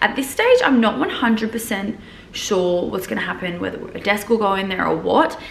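Audible room echo and light background noise around a woman's voice. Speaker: lifestyle vlogger. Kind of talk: casual vlog chat. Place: home room. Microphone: phone near.

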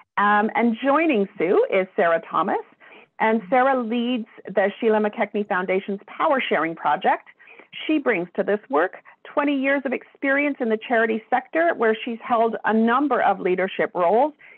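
In quiet surroundings, a woman's speech moves at a moderate pace. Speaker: webinar host. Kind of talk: introduction of guest speakers. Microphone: video call.

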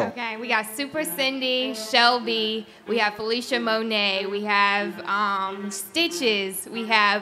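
Over clear music in the background, a woman with a fairly high pitch speaks at a very slow pace with hardly any pauses and ordinary pitch variation. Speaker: radio community founder, live show panel guest. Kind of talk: panel discussion answer. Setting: live event with audience, microphone. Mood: friendly, upbeat. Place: bar. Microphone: studio mic.

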